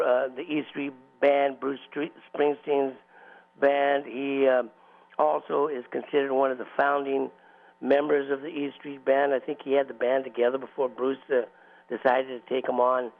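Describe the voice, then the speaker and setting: A man's voice: medium pitch, vocal fry. A man hosting a local radio talk show as DJ, chatting loosely with many fillers and restarts. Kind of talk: casual radio chat. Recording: tinny phone-like radio audio.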